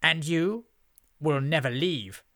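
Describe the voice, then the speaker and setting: A haughty storybook witch, played by a male narrator, speaks in a raised pitch. She is imperious and pompous, drawling out her words as if every one is a command. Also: slow pace, bright, forceful tone, full character voice. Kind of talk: children's storybook character voice.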